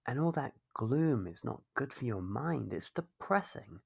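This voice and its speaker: A performer acting out an obsessive stalker for an ASMR roleplay, in a husky, gravelly voice of middling pitch. The captor coaxes and chides like a doting owner, possessive and smug, drawing out teasing little questions. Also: expressive, heavily acted. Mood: scolding, possessive. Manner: coaxing, chiding, drawn-out teasing questions. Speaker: voice actor.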